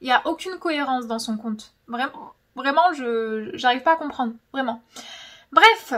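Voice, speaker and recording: Animated and fairly bright, this young woman's voice sits high and keeps a normal pace. She's a francophone YouTube host of Algerian descent, chatting casually in a storytelling vlog, emphatic and dramatic, often repeating words for effect.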